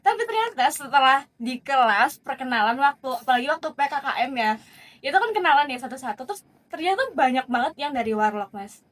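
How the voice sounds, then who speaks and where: A woman's voice: high-pitched, very animated, fast, a bit bright, dry recording. A young woman from Central Java, a first-year student guest who talks at length in an earnest, chatty way. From Central Java, Indonesia. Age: young adult. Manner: talkative and earnest, often saying "honestly". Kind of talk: casual chat.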